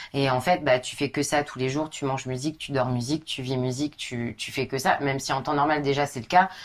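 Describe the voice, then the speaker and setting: Speaking at a fairly quick pace with hardly any pauses, a woman uses fairly even intonation and a very deep, low pitch. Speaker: musician. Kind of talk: casual chat.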